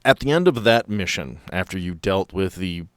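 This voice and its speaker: A man with a low-pitched voice acts as game master. He talks casually through the rules of a tabletop game. The sound is dry, with very little room in it. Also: animated, moderate pace, a bit bright, clear, resonant tone, no echo.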